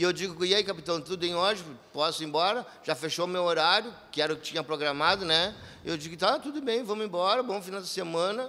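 A man speaks very fast in a bright, sharp tone at a high pitch with ordinary pitch variation. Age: 50s. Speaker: municipal employee, witness; witness. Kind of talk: testimony. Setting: city council inquiry hearing. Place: hall. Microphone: podium.

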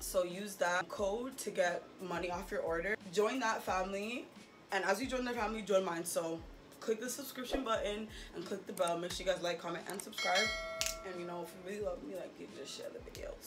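Faint music plays in the background as a woman talks. She speaks at a fairly quick pace with ordinary pitch variation. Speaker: lifestyle vlogger. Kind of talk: casual vlog chat. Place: home room.

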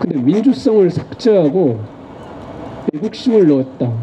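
Over noticeable background noise, a man with a high pitch talks at a fairly slow pace, his pitch swinging very widely. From South Korea. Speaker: high school history teacher. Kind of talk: lecture. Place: street. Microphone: handheld.

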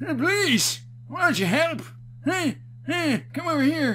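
A put-on character voice, high-pitched and fairly slow, over clear background noise. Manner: pleading, urgent.

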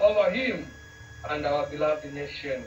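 With a Kenyan accent, a man speaks at a fairly slow pace over noticeable background noise. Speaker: church minister leading prayer. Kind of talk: fervent public prayer at a swearing-in, opening with a St Francis peace prayer. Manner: solemn, earnest and pleading, with a steady, rhythmic cadence.

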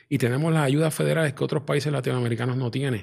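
A man's somewhat breathy voice comes across a quiet background. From Puerto Rico (Carolina); Puerto Rico. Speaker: lawyer and mayoral candidate; lawyer, candidate. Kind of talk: interview. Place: studio. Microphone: studio mic.

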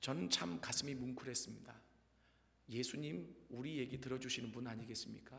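Using vocal fry and fairly even intonation, a man speaks at a moderate pace. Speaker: preacher. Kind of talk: sermon. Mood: earnest, moved. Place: church. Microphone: podium.

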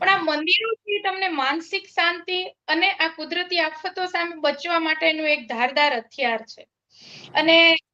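The voice is raised and projected, with a bright, sharp tone. Its pitch varies in an ordinary way. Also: woman. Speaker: religious storyteller. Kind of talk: interview.

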